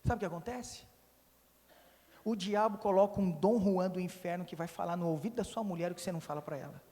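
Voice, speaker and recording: A pastor with a notably high voice preaches in a lively, joking, emphatic way. His sermon rings out in a church, with a long reverb trailing his words. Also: fast.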